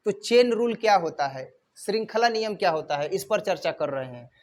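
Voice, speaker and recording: A man with a north Indian Hindi-speaking accent teaches a maths class at a whiteboard. His voice sits high for a man. He keeps putting questions to the class and then answers them himself, going over each term again. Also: animated, normal speed, a little mellow. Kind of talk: whiteboard lecture.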